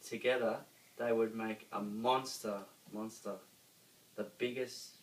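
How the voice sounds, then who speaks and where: A man with an Australian accent reads a children's story aloud, dramatically, with emphatic pauses. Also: fairly low pitch, level tone. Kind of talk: expressive children's story reading. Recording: roomy, distant mic, faint noise.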